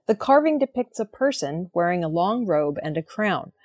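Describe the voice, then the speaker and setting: A woman reading the weekly archaeology news headlines in a clear, measured scripted style. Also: lowish voice, sing-song, darkish tone. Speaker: news reader.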